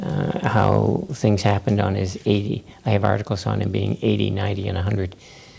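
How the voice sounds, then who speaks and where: This man has a fairly low pitch and speaks at a moderate pace. Noticeable background noise runs underneath. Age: 70s. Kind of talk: interview.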